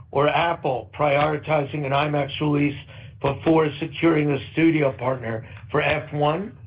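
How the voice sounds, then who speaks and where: Man reading earnings remarks, muffled line. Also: a little high. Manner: steady, upbeat, read from a script. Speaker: company executive. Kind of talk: prepared earnings call remarks. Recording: muffled conference call audio.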